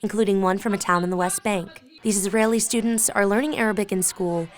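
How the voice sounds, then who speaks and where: A young woman, a student reporter, reads a scripted news voice-over in a measured, even way. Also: mid-range voice. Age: young adult. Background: music bed under the voice.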